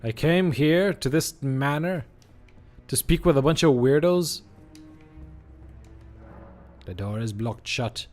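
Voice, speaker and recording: A man's voice: fairly high pitch, slow, long pauses, a little mellow, faint music behind. A young Portuguese man with a Portuguese accent, rambling and joking as he streams a game. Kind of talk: let's-play commentary.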